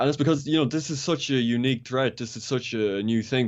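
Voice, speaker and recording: A man with an Irish accent. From Ireland. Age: young. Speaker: YouTuber. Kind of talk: interview.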